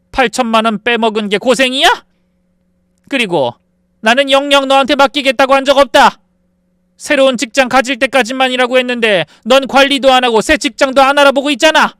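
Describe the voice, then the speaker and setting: A furious older mother in a story reading, as a man puts her on, scolding in sharp, demanding bursts. The voice sits very high and rings smooth and clear in a dry, close space with no room sound. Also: dry recording.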